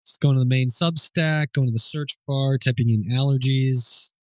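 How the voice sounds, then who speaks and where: A man hosting a question-and-answer session, thinking aloud as he answers listener questions in an informal, explanatory way, with pauses and self-corrections. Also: mid-range voice, fairly even intonation, dry recording, low-quality recording.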